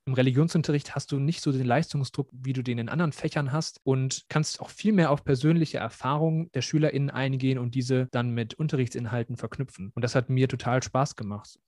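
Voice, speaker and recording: A man's voice: mid-range voice, fairly even intonation, fairly quick, few pauses, darkish tone, dry recording, studio quality. A young man in his twenties, a student teacher, talking reflectively and earnestly as a podcast guest. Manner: reflective, earnest, many fillers. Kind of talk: podcast interview.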